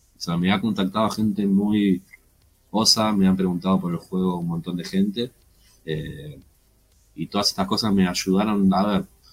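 A man speaks at a moderate pace, fairly low in pitch, with fairly even intonation. Long, frequent pauses break up his speech. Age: 30s. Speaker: indie game developer. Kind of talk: interview. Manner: halting.

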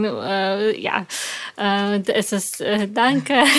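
A woman speaks with a Russian accent. Her pitch is medium. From Kazakhstan. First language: Russian (speaking German). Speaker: art historian and cultural project worker. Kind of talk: casual chat. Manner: halting.

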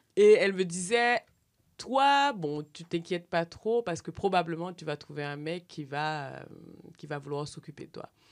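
A normal speaking voice from a woman, fairly low in pitch, fairly slow, with lively intonation and big swings in loudness. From Haiti. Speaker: filmmaker. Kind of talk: casual chat.

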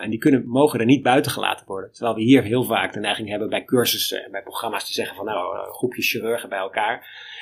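His voice sits at a medium pitch. The man's pitch variation is ordinary. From Netherlands, Utrecht. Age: 40s. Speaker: plastic surgeon. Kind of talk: interview. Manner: hesitant, many fillers.

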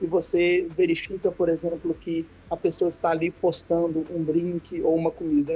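This man's high-pitched voice has a dark, mellow tone and monotone, flat intonation. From Brazil. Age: 40s. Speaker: gastronomy professor and researcher. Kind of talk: interview.

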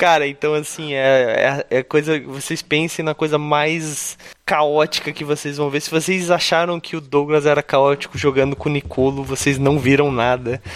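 A man speaks at a moderate pace in a fairly high pitch. His intonation is flat and monotone. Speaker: RPG streamer host. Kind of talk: casual live-stream chat. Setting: live stream. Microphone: audio feedback echo.

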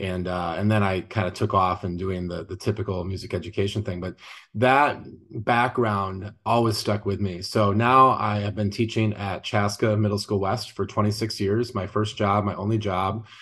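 In an American accent, a man with a fairly low pitch speaks in an enthusiastic tone at a moderate pace against a quiet background. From US Midwest. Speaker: band teacher. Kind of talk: podcast interview. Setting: video call.

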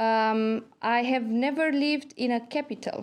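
In a Romanian accent, a woman talks in a high voice with ordinary pitch variation. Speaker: photographer and art student. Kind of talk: interview. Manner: hesitant, many fillers.

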